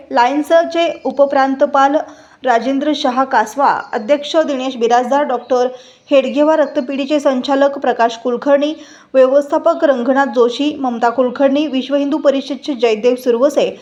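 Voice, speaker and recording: Female news voice-over, high pitch, steady formal read of names and details. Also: muffled recording. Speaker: news reader. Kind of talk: scripted local news narration.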